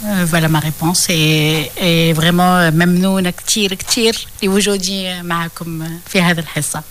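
A woman in her fifties with an Algerian accent, a radio guest talking in a hesitant way, full of filler pauses. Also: on the low side, fairly even intonation. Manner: hesitant, many filler pauses, rapid bursts. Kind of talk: casual radio conversation.

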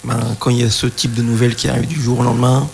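Gravelly radio co-host man, enthusiastic. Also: medium pitch, little pitch movement, racing, darkish tone, a little hiss or hum. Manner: enthusiastic, repeats words while searching. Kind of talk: casual radio chat.

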